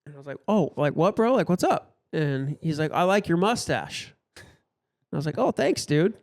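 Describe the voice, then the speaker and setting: A young man with a higher-pitched voice, a podcast co-host telling stories in casual chat and slipping into playful voices for the people he quotes. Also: lively intonation, moderate pace, gravelly. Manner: storytelling with playful voice impressions.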